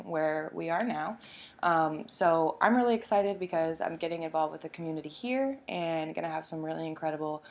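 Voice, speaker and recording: Woman podcast host, hoarse sick voice, chatty and upbeat, lots of fillers, fairly low voice, home basement recording. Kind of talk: casual podcast chat and phone interview.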